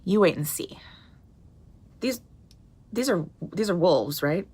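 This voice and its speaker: A woman's voice: lowish voice, expressive, takes it slowly, darkish tone, breathy edge, heavily acted. A woman playing a scrappy, awkward wasteland scavenger, earnest and rambling, in a comedy drama. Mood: defiant, flustered. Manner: rambling, earnest, self-correcting.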